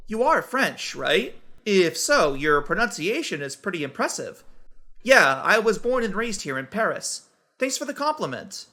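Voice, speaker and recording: A man reading scripted everyday conversations for English learners, in a clear, evenly paced textbook delivery. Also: on the high side, bright, forceful tone. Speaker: dialogue voice for English practice.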